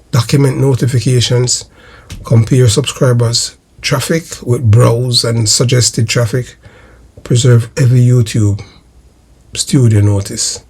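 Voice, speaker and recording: A man's voice: mid-range voice, vocal fry, a little mellow, slightly rough. A Jamaican man delivering emphatic political commentary to his viewers in a declamatory way, repeating phrases for emphasis. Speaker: host of a political history video channel.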